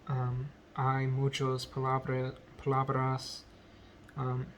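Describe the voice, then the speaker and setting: A man whose first language is English, speaking in a halting vlog as a learner, full of pauses, ums and self-corrections. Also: mid-range voice, monotone, fairly bright tone, slight background noise. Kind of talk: halting unscripted speech practice.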